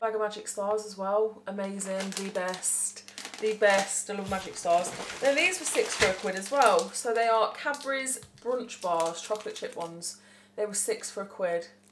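A woman's moderate-paced speech is heard against noticeable background noise. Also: ordinary pitch variation. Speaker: haul vlogger. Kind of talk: casual vlog chat. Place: kitchen.

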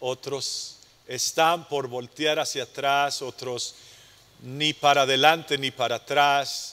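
In a monotone, flat intonation, a man speaks at a very slow pace. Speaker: pastor. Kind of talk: sermon. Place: studio. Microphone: lapel.

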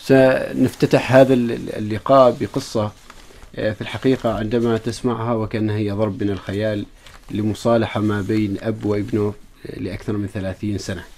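A man with a normal speaking voice talks fairly slowly at a fairly low pitch. His intonation is fairly even, with light background noise. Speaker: social affairs expert. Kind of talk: radio discussion. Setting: studio. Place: studio.

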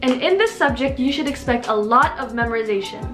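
Clear music sounds in the background. A woman talks over it at a fairly quick pace and a high pitch. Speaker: nursing student vlogger. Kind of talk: casual vlog chat. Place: home room.

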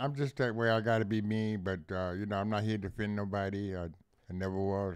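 Against a quiet background, a man with a Southern US accent speaks in a fairly low pitch with ordinary pitch variation. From Arkansas. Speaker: music historian and store owner. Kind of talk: interview answer. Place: home room. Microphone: studio mic.

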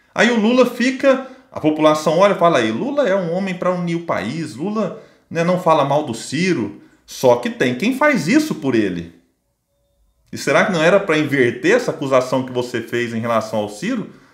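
In a quiet background with audible room echo, a man speaks at a high pitch. His voice makes very wide pitch swings. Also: moderate pace. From Brazil. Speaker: political commentary youtuber. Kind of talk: political commentary monologue. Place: home room.

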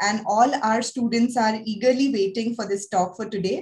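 The pace of this woman's speech is moderate. There is a somewhat breathy quality to her voice. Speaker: webinar moderator. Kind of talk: formal introduction. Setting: video call. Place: office. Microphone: video call.

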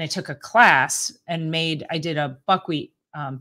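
A woman's bright, sharp tone at a fairly slow pace against a quiet background. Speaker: health doctor; guest. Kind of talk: interview. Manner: animated. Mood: friendly, conversational. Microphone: studio mic.

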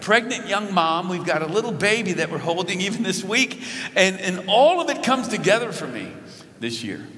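Using a raised, projected voice, a man speaks at a fairly quick pace. His intonation is lively. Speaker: pastor. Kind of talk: sermon. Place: church. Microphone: podium.

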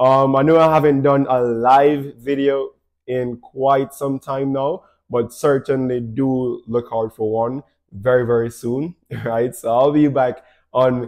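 Over a quiet background, a man speaks at a fairly slow pace with fairly even intonation. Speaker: vlogger. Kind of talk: casual vlog chat. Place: home room.

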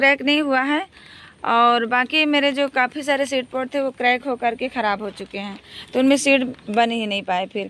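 A woman's high pitch with ordinary pitch variation, in a dry sound with no echo. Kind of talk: tutorial. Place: garden. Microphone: phone near.

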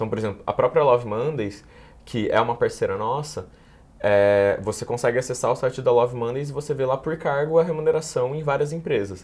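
This man has a medium-pitched, somewhat breathy voice with ordinary pitch variation. He talks at a fairly quick pace. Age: 20s. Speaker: corporate manager; interview guest. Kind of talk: interview. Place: studio. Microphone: lapel.

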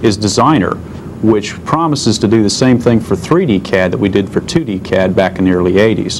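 Here is an ordinary speaking voice from a man, fairly low in pitch, at a moderate pace. Loudness stays very even, with light background noise. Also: ordinary pitch variation. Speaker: software company sales representative. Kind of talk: interview answer. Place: studio. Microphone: lapel.

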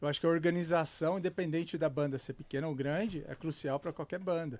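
The man talks fairly quickly, his fairly high pitch showing ordinary variation. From Brazil, ABC region of São Paulo; São Paulo, Brazil. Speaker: merchandise company founder; guest. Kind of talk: casual chat. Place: studio. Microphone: studio mic.

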